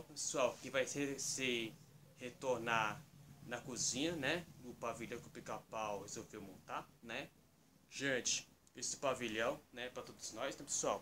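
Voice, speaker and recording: A man's voice: mid-range voice, bright, forceful tone, slight background noise. A man with a Brazilian accent playing a talkative toy bull who hosts an improvised puppet skit, rambling and often appealing to the viewers. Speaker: host.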